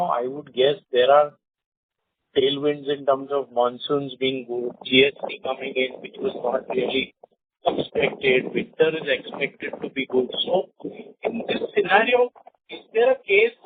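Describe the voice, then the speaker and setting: A man's voice: fairly high pitch, breathy edge. Man on a tinny phone line. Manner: questioning, leans on "you know" fillers. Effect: heard over a phone line. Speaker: analyst asking questions on an earnings call. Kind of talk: conference call question. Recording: tinny, dry phone line with airy hiss.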